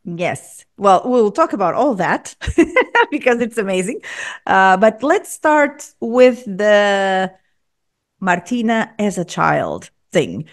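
A woman's voice: medium pitch, big pitch swings, slow. A woman with a Portuguese accent hosting a podcast, friendly and laughing often while asking questions. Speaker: podcast host. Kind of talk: casual interview. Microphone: headset with studio mic.

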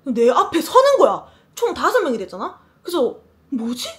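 A young woman telling a story in a casual vlog while doing her makeup, lively and acting out quoted lines. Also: high voice, fairly quick. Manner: animated, acts out quoted lines. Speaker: beauty vlogger.

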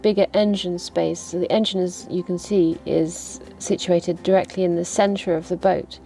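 Flat, low-toned woman explaining sailing. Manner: measured, explanatory, with fillers. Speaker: sailing vlogger explaining boat layouts. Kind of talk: explanatory voice-over.

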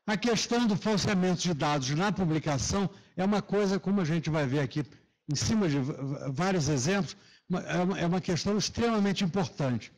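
A man from Rio de Janeiro with a Carioca accent and a hushing sh for s, giving a semi-formal academic lecture in Brazilian Portuguese. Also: sits high, lively intonation, fairly quick, low-quality recording. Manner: hushing sh sound for s. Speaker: lecturer, professor. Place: lecture auditorium.

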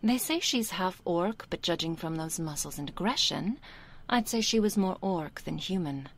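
Woman acting a husky, nervous young succubus, ASMR role-play. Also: on the low side, animated, moderate pace. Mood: sheepish, affectionate. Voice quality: soft, husky, breathy. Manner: hesitant, flustered, succubus-like soft intimate delivery. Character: nervous young female succubus, reluctant, sheepish, affectionate daughter.

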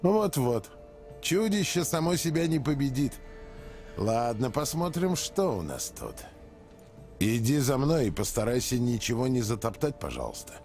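A man's voice: medium pitch, sing-song, moderate pace, darkish tone, soft background music. A man voicing a talking young female horse in a video game, sarcastic, bossy and theatrical, devoted to her rider. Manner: wry, theatrical, teasing. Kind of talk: video game dialogue acting.

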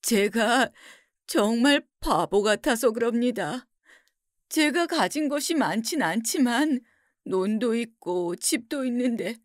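A woman's voice: mid-range voice, darkish tone, dry recording, clean studio sound. Woman doing an earnest devoted young son.

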